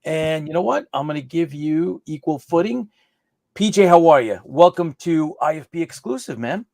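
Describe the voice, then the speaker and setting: A man's voice: a little high, expressive, normal speed, creaky, a little mellow, no echo, clean studio sound. A man hosting a live online interview show, chatty, often repeating words and restarting his sentences. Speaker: host.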